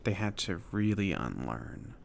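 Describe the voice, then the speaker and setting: Low, creaky-voiced man as a friendly, awkward shop mage. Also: big pitch swings, slight background noise, heavily acted. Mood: friendly, hesitant. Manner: halting, casual, chatty, filler-laden. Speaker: ASMR roleplayer. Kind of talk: soft-spoken ASMR roleplay.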